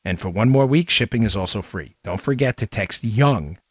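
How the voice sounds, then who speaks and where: Man delivering a dry, close-miked infomercial pitch. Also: lively intonation, normal speed, slightly rough, no echo. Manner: casual, repetitive, emphatic selling with personal endorsement. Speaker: talk show host. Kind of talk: infomercial-style host-read ad pitch.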